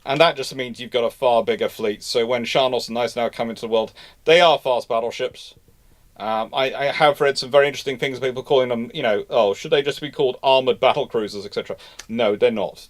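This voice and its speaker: A man hosting an unscripted question-and-answer talk, speaking emphatically but haltingly, doubling back and repeating himself to stress points. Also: mid-range voice. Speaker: naval history host answering live questions.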